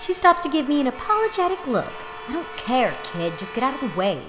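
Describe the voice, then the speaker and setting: A woman's voice: sits high, big pitch swings, fairly quick, long reverb tail. An actress playing a sarcastic, exasperated young college student who narrates her own story in an audio drama, wry and self-deprecating. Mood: sarcastic, irritated. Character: snarky, exasperated 24-year-old woman, broke college student. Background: music.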